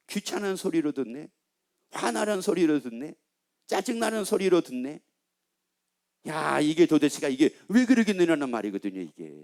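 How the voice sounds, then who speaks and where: A man's voice: high voice, a little mellow. A male pastor preaching a sermon, putting questions to the congregation and repeating their answers back, with teasing asides.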